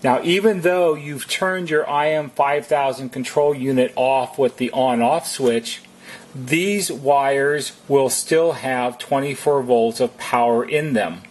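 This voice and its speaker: Man, slow deliberate delivery, husky rough-edged voice, methodical instructional narration, step by step. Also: mid-range voice, a little mellow. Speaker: repair technician giving instructions.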